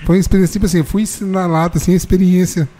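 A man telling an animated, slangy story in casual chat, peppering it with "velho". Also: sits high, rapid-fire. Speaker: football fan telling a story.

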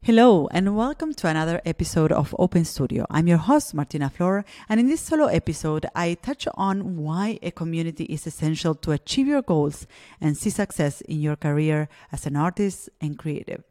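A woman's voice: fairly low pitch, dark tone. A woman from Argentina hosting a solo podcast, speaking reflectively with fillers and restarts. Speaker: podcast host.

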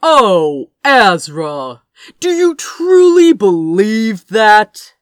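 A woman's voice: mid-range voice, big pitch swings, drawn-out words, no room sound, clean studio sound, pitched above the performer's own voice. A woman voicing a smug, impatient royal brother in an audiobook, curt, scoffing and patronizing. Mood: amused, pitying. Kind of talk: dramatic audiobook character dialogue.

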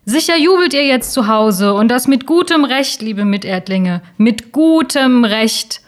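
A woman doing a smarmy, booming government spokesman. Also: lively intonation, moderate pace, close to an everyday voice. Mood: gushing. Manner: loud, syrupy and exaggerated.

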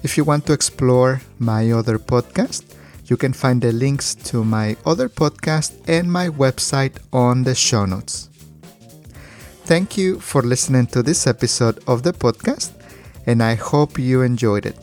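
A man hosting a podcast, explaining things to language teachers in a measured monologue with careful, chunked phrasing. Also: mid-range voice, darkish tone, faint music behind. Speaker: podcast host and language educator.

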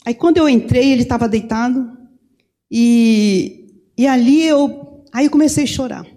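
A woman's voice: on the high side, warm tone. A middle-aged woman preacher giving an impassioned sermon testimony, her voice rising when she pleads.

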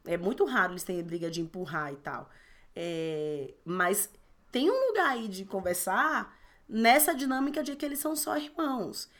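A woman's voice: mid-range voice, animated, normal speed, fairly bright tone. A woman, chatting casually. She tells stories expressively, laughs often and acts out what others said. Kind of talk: casual chat.

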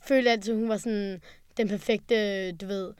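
A woman's voice: medium pitch, fairly even intonation, clean tone, no echo, clean studio sound. A young woman chatting casually and hesitantly, with many fillers and restarts. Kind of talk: casual chat.

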